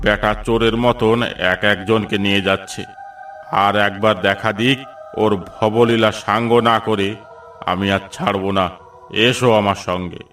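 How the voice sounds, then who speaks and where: Man voicing a bossy cartoon cop, lowish voice, distant, music behind. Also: steady tone, normal speed, a bit bright, lightly acted. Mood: stern. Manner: commanding, dismissive. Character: gruff middle-aged police officer, bossy.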